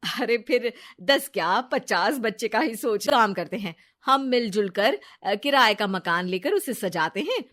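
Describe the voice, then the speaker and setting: A woman's voice: a little high, animated, measured pace, hardly any pauses, a bit bright. Woman doing a pushy scheming friend. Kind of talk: cartoon story voice acting.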